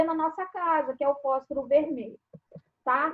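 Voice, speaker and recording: A high-voiced woman talks at a moderate pace, her pitch varying in an ordinary way. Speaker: chemistry teacher. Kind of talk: online class lecture. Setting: video call. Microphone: connection freezing, audio cutting out.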